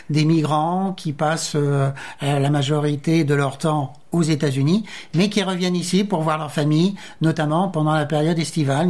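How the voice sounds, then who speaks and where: A man's voice: fairly high pitch, darkish tone. Earnest man explaining at length. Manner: earnest, explanatory, many hesitations. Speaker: association treasurer, guest. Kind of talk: radio interview.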